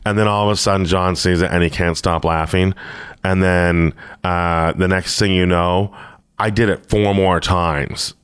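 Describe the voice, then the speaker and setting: A comedian from Ontario hosting a casual podcast chat, telling animated stories and acting out quotes. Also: male voice, deep voice, unhurried, clean tone, dry recording, clean studio sound. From Ontario, Canada. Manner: animated storyteller, acts out quotes.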